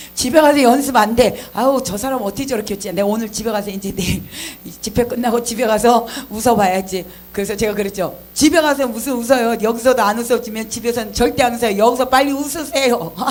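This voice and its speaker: A woman with a fairly high pitch talks at a very fast pace in an animated tone, with audible room echo and noticeable background noise. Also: ordinary pitch variation. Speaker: pastor. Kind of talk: sermon.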